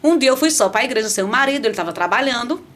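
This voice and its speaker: Middle-aged woman telling a lively testimony. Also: fairly high pitch, rapid-fire. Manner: animated storytelling with frequent restarts and asides to listeners. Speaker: podcast guest. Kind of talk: conversational faith testimony. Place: podcast studio.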